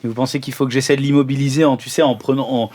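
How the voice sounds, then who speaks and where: A man's voice: medium pitch, steady tone, rapid-fire, darkish tone. A man chatting casually as a player in a tabletop roleplaying game.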